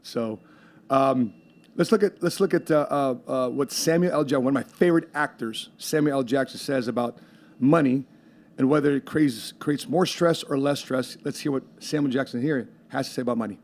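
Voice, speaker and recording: A man's voice: medium pitch, normal speed, a little mellow. Man, podcast host, casual chat, filler-heavy, laughs often. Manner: laughing, rambling, many fillers.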